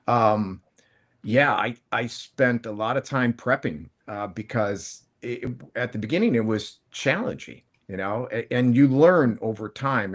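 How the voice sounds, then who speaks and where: A low-voiced man in his fifties rambles through casual panel chat as a guest who runs a plant-based food business. He talks conversationally, with frequent restarts and self-corrections.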